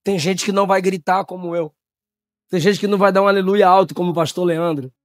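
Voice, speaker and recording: A man from Brazil preaching a Pentecostal sermon, shouting in high bursts and then dropping to low, quiet tones. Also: steady tone, quick pace, no echo, clean studio sound.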